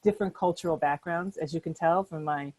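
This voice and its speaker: American woman, middle-aged, low mellow voice, conversational presenting, lots of uh and restarts, video call from home. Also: brisk. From United States. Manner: conversational, hesitant restarts with many fillers. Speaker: workshop speaker. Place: apartment at home.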